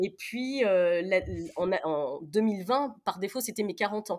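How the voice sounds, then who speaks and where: Her intonation is lively, and this woman speaks at a medium pitch. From western France, La Rochelle area. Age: 40s. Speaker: amateur triathlete. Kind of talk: interview. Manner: hesitant, many fillers.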